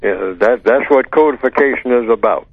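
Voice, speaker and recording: An older man on a call-in radio show, explaining his ideas in a measured way and repeating key words for emphasis. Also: mid-range voice, creaky, no room sound. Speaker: radio show guest answering callers. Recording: tinny phone line, dry.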